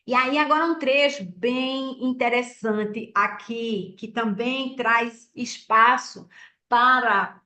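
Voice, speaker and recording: Woman preaching a conversational sermon, fairly high. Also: slow, bright, forceful tone. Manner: conversational, teaching, frequent "né?" tag questions.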